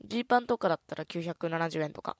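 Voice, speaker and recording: A woman with a slightly low voice hosts a relaxed radio talk segment. She speaks softly and easily, with a stuffy nose. The sound is close and completely dry. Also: quick pace, no room sound. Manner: soft, easygoing, chatty, with many "un" fillers. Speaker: radio host. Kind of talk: casual radio chat.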